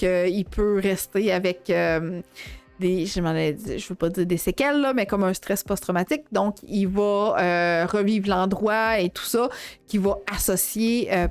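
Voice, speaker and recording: A woman's voice: mid-range voice, clear, resonant tone. A woman with a Québécois accent, hosting a dog-behavior show in a casual, chatty way, with lots of hesitations and self-corrections. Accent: Québécois French. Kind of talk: casual live-show talk to viewers.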